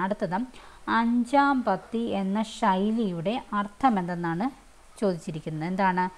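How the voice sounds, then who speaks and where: Woman, teacher, exam answer walkthrough, repeats questions, conversational. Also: mid-range voice. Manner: fillers and restarts, conversational.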